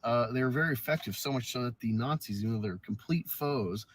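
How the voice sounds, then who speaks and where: Male online debater, medium pitch, assertive and discursive, speaking off the cuff. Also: brisk.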